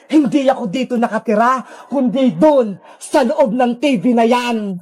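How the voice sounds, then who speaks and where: Sadako, woman voicing a creepy TV ghost. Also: darkish tone. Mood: gloating. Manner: slow, gloating, low menacing drawl. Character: creepy female ghost who lives inside a TV. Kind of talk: Tagalog cartoon voice acting.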